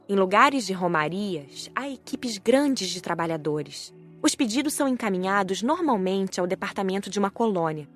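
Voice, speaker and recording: A Brazilian woman reading scripted audiobook narration in a measured storytelling manner. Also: mid-range voice.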